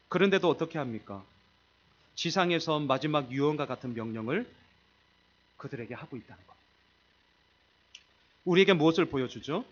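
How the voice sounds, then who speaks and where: Emphatic Korean pastor preaching a sermon. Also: male voice, a little high, lo-fi sound. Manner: emphatic, rhetorical questions, swings between loud and hushed. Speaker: senior pastor. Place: church sanctuary.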